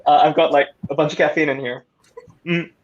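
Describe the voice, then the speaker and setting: Higher-voiced man on a dull lo-fi call. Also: steady tone, fairly quick. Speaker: panelist, audio fiction creator. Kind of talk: casual panel discussion. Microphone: remote call.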